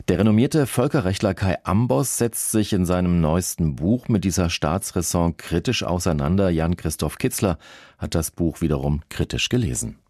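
A man's voice: low voice, a little mellow, no echo, clean studio sound. A man presenting morning radio news, announcing items and asking questions of a guest. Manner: smooth announcing, conversational when asking. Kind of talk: news moderation. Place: radio studio.

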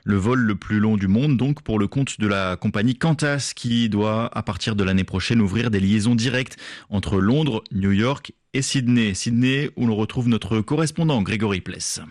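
A man reading the radio news in a low voice, steady and measured, with an occasional hesitation. The sound is dry and close. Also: no echo. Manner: measured newsreading with occasional fillers. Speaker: news anchor.

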